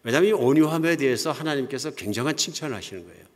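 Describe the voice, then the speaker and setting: A man's voice: mid-range voice, expressive, very fast. An older man, a pastor, preaching a sermon in a conversational storytelling manner. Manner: conversational, anecdotal storytelling with soft chuckles. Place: church sanctuary. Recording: long hall reverb.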